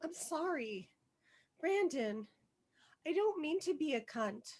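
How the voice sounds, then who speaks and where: A woman reading the part of an awkward, anxious but stubborn young teenage schoolgirl in a screenplay table read, halting and apologetic. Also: sits high, lively intonation, darkish tone. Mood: nervous, meek.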